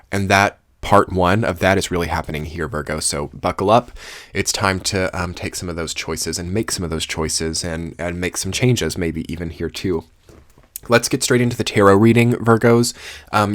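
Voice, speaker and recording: Guy doing a tarot reading, really low voice, dry close sound, rambly with lots of ums, voice going a bit. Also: no echo. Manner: rambling, earnest, with many fillers. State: losing his voice. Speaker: tarot reader. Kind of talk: casual tarot reading to camera.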